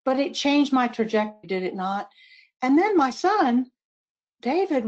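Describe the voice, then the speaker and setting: A woman's voice: fairly high pitch, darkish tone. A middle-aged woman from West Virginia, raised in Ohio, giving a friendly, conversational webinar presentation with casual asides. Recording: dull lo-fi webinar audio.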